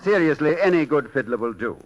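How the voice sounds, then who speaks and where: A man hosting a 1940s radio show, reading letters in a brisk, jokey announcer's delivery. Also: fairly high pitch, lively intonation, highs cut off.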